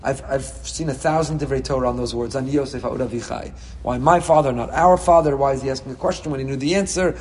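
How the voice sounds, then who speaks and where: A man giving a Torah class as a rabbi, reading Hebrew texts and explaining them with passion, swinging between soft and loud. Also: mid-range voice, fast, hardly any pauses, big-room sound. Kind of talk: Torah class on the weekly portion.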